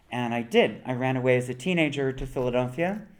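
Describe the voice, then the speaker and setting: A man in a Mid-Atlantic US accent, ordinary pitch variation, audible room echo. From rural Pennsylvania. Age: 50s. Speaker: poet. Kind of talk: lecture. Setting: stage with audience.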